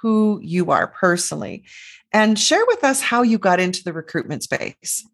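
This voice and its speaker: Upbeat low-voiced woman co-host. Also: sing-song, moderate pace, gravelly. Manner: upbeat, enthusiastic. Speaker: podcast co-host. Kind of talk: casual interview chat.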